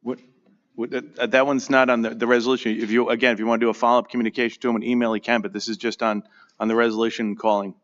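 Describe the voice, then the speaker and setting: A man chairing a town board meeting as supervisor, talking briskly, informally and in a friendly way, in a town hall meeting room. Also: mid-range voice, little pitch movement, fairly bright tone. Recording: dull lo-fi livestream audio.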